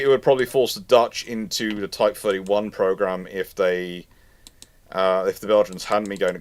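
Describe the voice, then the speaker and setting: A man hosts a live Q&A. He talks off the cuff, wandering through long, halting explanations. His delivery breaks into exasperated asides. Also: sits low. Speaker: host of a live naval history question stream. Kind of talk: unscripted live commentary and Q&A.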